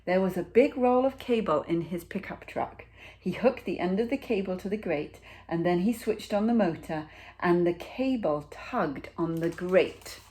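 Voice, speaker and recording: With a lowish voice, a teacher reads a picture book to kids, using dramatic pauses and a deliberate, expressive storytelling style.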